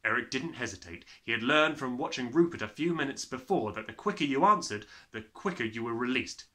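A young man narrating a children's book in an expressive storytelling style. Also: medium pitch, a little fast. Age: young adult. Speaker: storybook reader.

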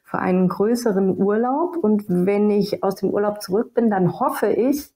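A woman's voice: medium pitch, normal speed, warm tone. A woman being interviewed as a guest, explaining things in a considered, conversational way. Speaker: radio drama director, interview guest.

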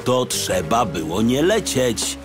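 A man's voice: medium pitch, very animated, takes it slowly, music in the background. A man voicing a weary, irritable male detective on holiday in a storybook, with a grumbling manner. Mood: exasperated. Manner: grumbling, exasperated.

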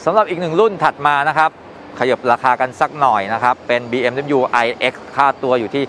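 A man's voice: mid-range voice, lively intonation, a little fast, fairly bright tone. A middle-aged man presenting a walkthrough at a car show, upbeat and informative, recorded on a lapel mic in a large indoor exhibition hall. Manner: upbeat and informative, with polite sentence endings. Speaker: motoring reporter. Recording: noisy exhibition hall ambience.

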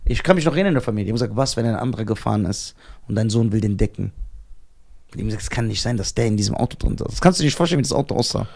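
A young man from Germany telling a story on a casual podcast, animated and laughing at himself as he acts out the voices of the people in it. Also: fairly low pitch, racing, gravelly. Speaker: podcast co-host.

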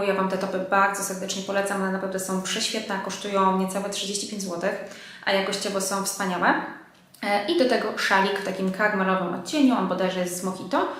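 A Polish woman talks casually to her viewers in a very echoey room. Her voice sits at a medium pitch and sounds nasal, slightly blocked by a head cold, as if she were talking through a pinched nose. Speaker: fashion vlog host. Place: indoors under artificial light.

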